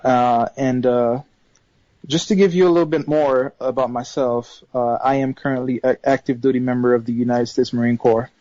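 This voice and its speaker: Guy from haiti calling in, english not his first language, lots of uhs, mellow dull voice on a phone line. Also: mid-range voice, fairly even intonation, normal speed, no echo. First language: not English; third language. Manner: hesitant, many fillers and restarts. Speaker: caller. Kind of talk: phone-in call, telling a personal story.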